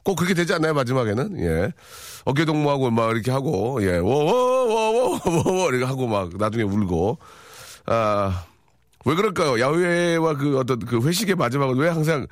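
A man's voice: medium pitch, lively intonation, fairly quick, no room sound, studio quality. A man in his forties hosting a radio show, reading listener messages in a playful, jokey chat and acting out little voices.

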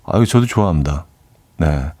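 A man's voice: rumbling low, moderate pace. A man in his forties hosting a radio show, chatting casually and loosely with many fillers while answering listener messages. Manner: relaxed, rambling, many fillers.

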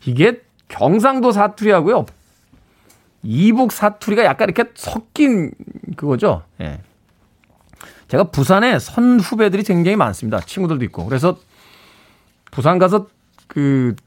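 A man hosting a radio show, chatting in a friendly way and reading out listener messages from a studio. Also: sits high. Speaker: radio host. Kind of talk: radio DJ talk.

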